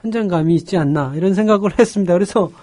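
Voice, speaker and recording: North korean guy co-hosting, kinda high voice, measured and earnest, dry studio sound. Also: mellow, dry recording. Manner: measured, earnest, praising the guest. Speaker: co-host. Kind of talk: studio talk show chat.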